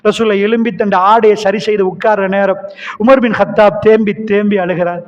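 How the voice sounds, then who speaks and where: A man preaching an impassioned sermon, telling stories with rising fervor that builds to loud cries. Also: high-pitched, level tone, a little fast. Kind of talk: Islamic sermon. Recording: reverberant hall sound, muffled lo-fi.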